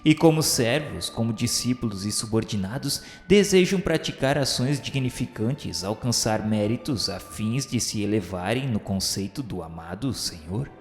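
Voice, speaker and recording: A Brazilian man narrates a radio novel with solemn, declamatory gravity. His voice is fairly low, wrapped in long, echoing hall reverb with music underneath. The delivery is formal and reverent, like scripted literary prose read aloud. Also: animated, moderate pace, hardly any pauses.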